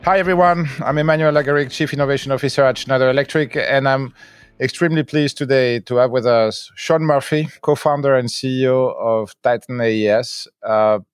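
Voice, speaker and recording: A man's voice: medium pitch, fairly quick, smooth, no room sound, clean studio sound, soft background music. A man hosting an interview, introducing his guest and asking questions, often repeating words as he goes.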